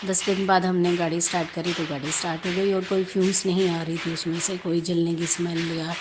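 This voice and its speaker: A woman's voice: fairly low pitch, level tone, a little fast, background noise. A woman sharing a devotional testimony in a casual, chatty storytelling way, slipping English words into her Hindi and often restarting her sentences.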